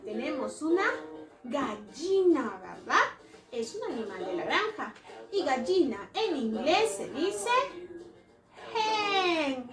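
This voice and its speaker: A woman with a high, lively voice leads a children's lesson, sing-song and coaxing, checking in with small tag questions. She speaks slowly and carefully. Her voice sounds roomy and a little far from the mic, with clear music playing behind. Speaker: preschool teacher.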